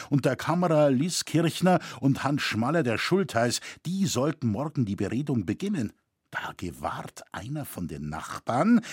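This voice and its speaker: Man, audiobook narration, expressive, husky, dry close sound. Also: mid-range voice, no echo. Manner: expressive storytelling. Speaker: audiobook reader. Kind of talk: scripted narration of a historical novel.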